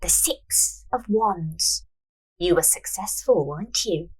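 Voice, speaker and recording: A woman voicing a calm, mysterious fortune teller in an audio story, speaking softly and slowly with quiet authority. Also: fairly low pitch, husky, exaggerated voice, poor audio. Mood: knowing, probing. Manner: slow, soft, authoritative delivery.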